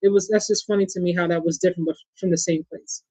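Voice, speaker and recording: He speaks fast in a high voice with a darkish tone and fairly even intonation, recorded dry. A chatty podcast host with a New York accent, he leads a relaxed sports talk, calls listeners "y'all," and reads out their comments. The recording has a dull, lo-fi quality.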